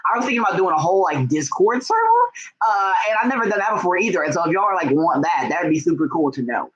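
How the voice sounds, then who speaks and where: Young man, slightly high voice, excitable livestream chat, slangy and gushing, dull lo-fi audio. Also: fast talker, a loud crowd. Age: young adult. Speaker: book vlogger and writer hosting a livestream. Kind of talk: casual, chatty livestream talk.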